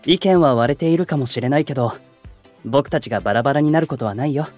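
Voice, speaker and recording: Man acting a calm, gentle young idol peacemaker. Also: medium pitch, fast talker, faint music behind, lightly acted. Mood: serene, confident. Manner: soft-spoken, composed, polite and reflective. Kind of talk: Japanese anime-style voice drama acting.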